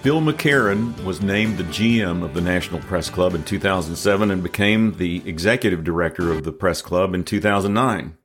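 A man hosting a podcast, telling a history story in a measured way and then interviewing his guest. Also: deep voice. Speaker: podcast host. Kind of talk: scripted narration and interview. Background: faint guitar music.

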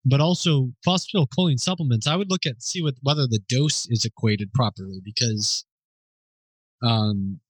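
A man answering listener questions off the cuff at a mid-range pitch, pausing to think and correcting himself as he goes. His voice sits close and dry, with almost no room sound around it. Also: husky, no room sound, poor audio. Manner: thinking aloud, hesitant, with fillers and self-corrections; informal and explanatory.

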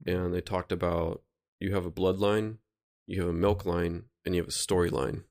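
A man hosting a reflective conversation, calmly laying out an idea and checking in with "right?" as he goes. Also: deep voice, normal speed. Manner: calm, explanatory, often checks in with "right?". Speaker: host.

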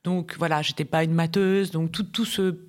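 Chatty Parisian woman lawyer. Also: on the low side. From Paris, France. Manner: chatty and lively, quick asides, frequent laughs. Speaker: business tax lawyer, podcast guest. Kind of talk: casual interview chat.

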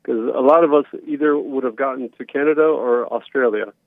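Over a narrow, tinny phone line, a man in his thirties calls in to a talk show. His voice is medium in pitch with no room echo. He talks casually and haltingly, pausing as he shares his own story. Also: creaky. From born in Romania, later moved to the United States. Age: 30s. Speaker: caller. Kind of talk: casual personal account on a call-in show.

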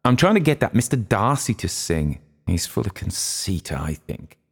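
A man voicing a lively, eager young wife who talks in a quick, confiding way. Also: low-pitched, husky, pitched above the performer's own voice, exaggerated voice.

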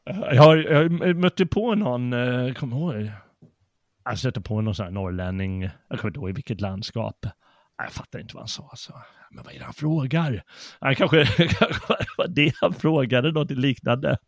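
A man's voice: medium pitch, dry recording, studio quality. A man co-hosting a casual chat about poetry, telling stories with lots of fillers and restarts. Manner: animated storyteller with many fillers. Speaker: podcast co-host.

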